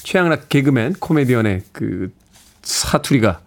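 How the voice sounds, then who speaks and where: A man's voice: medium pitch, lively intonation, a little slow, gravelly. A middle-aged man hosting a radio show, chatting and reading out listener messages and announcements from a studio microphone. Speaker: radio host.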